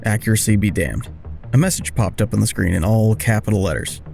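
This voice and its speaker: Male narrator, low-pitched, creaky voice, wry confessional first-person storytelling, music underneath. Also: brisk, a little mellow.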